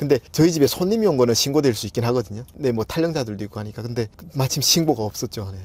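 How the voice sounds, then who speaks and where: A man's somewhat breathy, medium-pitched voice with lively intonation at a very fast pace. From North Korea (Hyesan region). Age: 30s. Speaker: North Korean defector. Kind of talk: interview testimony.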